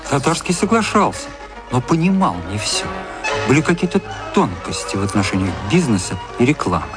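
An actor as the narrator of a radio play, telling the story in a measured, matter-of-fact literary style. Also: male voice, medium pitch, very animated, lightly acted. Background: music.

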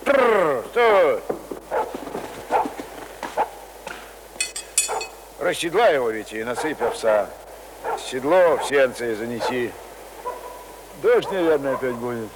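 An actor playing a rough but kindly middle-aged village man in a radio play, muttering and sighing in speech. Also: medium pitch, lively intonation, measured pace, long pauses, close to an everyday voice. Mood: brisk, bossy. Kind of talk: Russian radio play acting. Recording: noisy radio drama recording.

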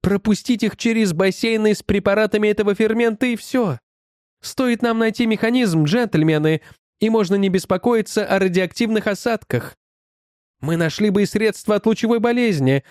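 A man voicing an excited male scientist who urges his colleagues on, in an insistent, exclaiming voice. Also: high voice, normal speed, no room sound, clean studio sound, voice pushed up, lightly acted.

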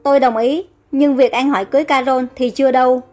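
An earnest, protective young elder brother in a storybook, voiced by a high-pitched woman narrator, reassuring and steady. Faint music runs underneath. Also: fast.

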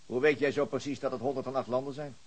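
Radio play: a man voicing a dry, patient police chief at mid pitch, brisk and unshaken. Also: lightly acted. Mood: calm. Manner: calm, terse, dryly patient. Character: calm, dry middle-aged male police chief inspector.

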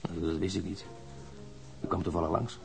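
A man acting a weary, bitter confessed killer in a radio drama, halting and resigned, with a gravelly voice. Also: deep voice, little pitch movement, over music. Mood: resigned, defiant. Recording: noisy radio drama recording.

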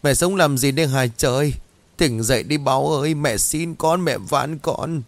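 A man's voice: fairly high pitch, normal speed, dry recording, pitched above the performer's own voice, lightly acted. A man voicing a village mother wailing and pleading over her drowned son in a spoken horror story. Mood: anguished wailing.

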